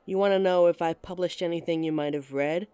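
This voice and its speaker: A woman's voice: on the low side, steady tone, brisk, warm tone, smooth, no room sound. A woman performing a scripted roleplay monologue to a listener, playful and giggly, with a teasing manner.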